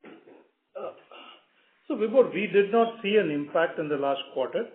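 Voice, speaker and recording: Male executive, measured and halting, explaining on a boomy, phone-quality conference line. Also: expressive, reverberant. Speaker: company executive answering analyst questions. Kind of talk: spontaneous earnings call answers. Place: conference call.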